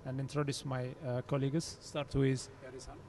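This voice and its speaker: A man's voice: medium pitch, flat delivery, darkish tone, a little hiss or hum. Hesitant man opening a forum. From Eritrea. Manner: halting, many fillers and restarts. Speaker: forum host. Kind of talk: opening a student panel. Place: university forum room.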